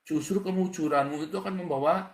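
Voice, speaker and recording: A man's voice: fairly high pitch, fast. A man preaching a livestreamed sermon as a pastor, in a conversational, blunt and colloquial way, often calling his listeners brothers and sisters. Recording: echoey room.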